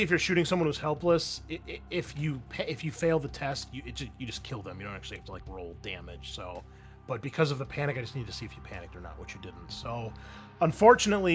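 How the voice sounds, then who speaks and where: A man's voice: mid-range voice, a bit bright. Man running a tabletop game over music. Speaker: game master. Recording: faint music behind the voice.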